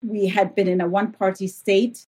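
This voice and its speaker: A woman's voice: mid-range voice, little pitch movement, moderate pace, a little mellow, husky. A woman in her fifties from Zambia, a guest economist talking thoughtfully in an interview, with frequent fillers. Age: 50s. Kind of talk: interview conversation.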